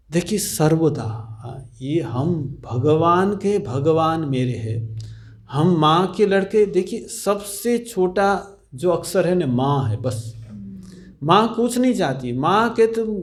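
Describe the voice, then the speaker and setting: Monk preaching, slightly high voice, gentle storyteller, keeps asking if listeners follow. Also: male voice. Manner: gentle storytelling, often asks listeners "ठीक है ना?" with soft laughs. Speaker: monk giving a religious discourse. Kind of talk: sermon.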